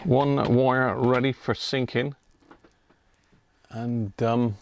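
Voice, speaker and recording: A man's voice: medium pitch, steady tone, very slow, gravelly, noisy background. A man giving casual live commentary as he does electronics repair, chatting and half muttering to himself while he works.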